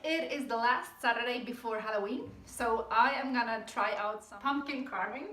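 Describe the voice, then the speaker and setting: A woman's voice: a little high, normal speed, a bit bright, slight background noise. Cheerful woman, echoey room. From Finland. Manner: cheerful, chatty, upbeat. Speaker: craft vlogger. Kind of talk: casual how-to vlog. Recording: echoey room, mic at a distance.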